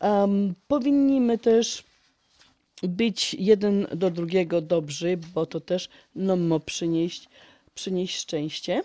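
A woman with a Silesian accent speaks at a very slow pace in a dark, mellow tone, the sound dry and close with no echo, over a quiet background. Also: medium pitch for a woman, lively intonation. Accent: Silesian Polish. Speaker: radio host. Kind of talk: radio show presenting.

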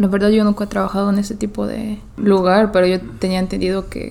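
With an unremarkable speaking voice, a woman of medium pitch talks at a moderate pace. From Canada. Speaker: podcast co-host. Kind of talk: casual chat.

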